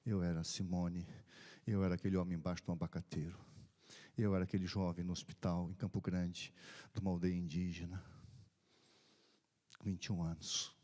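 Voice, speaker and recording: A man's voice: deep voice, flat delivery, fairly quick, long pauses, warm tone. A middle-aged man, a pastor preaching a sermon through earnest stories with emphatic rises. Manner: earnest storytelling with emphatic rising peaks. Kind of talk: sermon storytelling.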